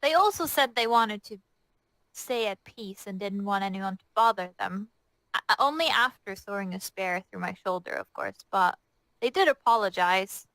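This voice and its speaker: A woman's voice: medium pitch, lively intonation, normal speed, a bit bright, no room sound, poor audio. A woman playing a tabletop roleplaying game, chatting casually in improvised in-character dialogue.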